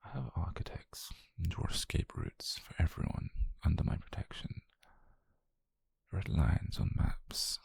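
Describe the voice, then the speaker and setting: A British man playing an obsessive, possessive mafia boyfriend, calm and dangerous, in a slow, controlled, breathy half-whisper for an intimate ASMR roleplay. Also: low-pitched, no echo, exaggerated voice. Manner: slow, controlled, menacingly tender murmur. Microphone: close microphone, dry.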